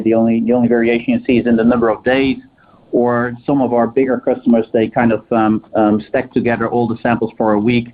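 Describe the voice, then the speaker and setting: A man speaking as a company executive, adding unscripted explanation during an earnings call. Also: mid-range voice. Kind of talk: spontaneous earnings call answers. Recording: narrow, muffled phone line.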